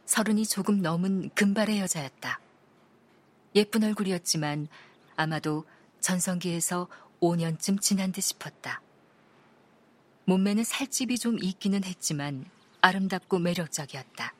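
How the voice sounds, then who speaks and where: A woman reads a detective novel aloud as an audiobook narrator, calm and even. Her voice is a little low and slightly husky. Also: moderate pace.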